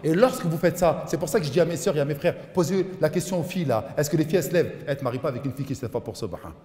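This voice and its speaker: A middle-aged man, an imam, giving an animated mosque lecture and mixing in street slang. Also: on the high side, very fast. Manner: animated preaching, mixes in street slang, voices his son and inner voices. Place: mosque hall. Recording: echoey hall.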